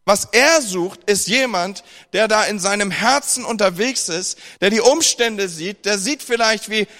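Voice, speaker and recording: A high-pitched man preaches to a seated congregation, with his voice ringing through a hall with long reverb. He is from northern Germany and mixes scripture reading with wry, joking retellings. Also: unhurried. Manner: lively, humorous retelling with mock dialogue.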